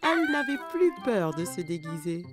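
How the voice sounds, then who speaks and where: A woman narrating a children's cartoon story in a gentle, expressive storytelling manner. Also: on the low side, normal speed, over loud music.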